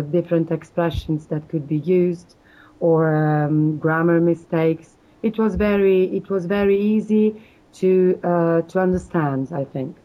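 A woman from South Africa answering interview questions hesitantly, with frequent pauses and restarts. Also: lowish voice, muffled recording. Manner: hesitant, many fillers and restarts. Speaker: interview guest, exam candidate.

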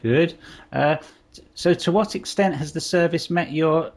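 A man hosting a podcast, reading a clear scripted intro and asking an interview guest questions. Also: fairly high pitch. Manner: clear, deliberate, spells out addresses slowly.

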